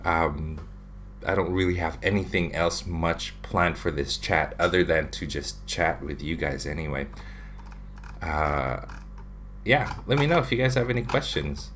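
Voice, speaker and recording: A low, unhurried, fairly bright male voice, with slight background noise, belongs to a Filipino livestream host in his thirties. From his home room with its shelves of figures, on a desk webcam, he runs a casual drawing-channel stream. He reads viewer questions aloud chattily, full of fillers.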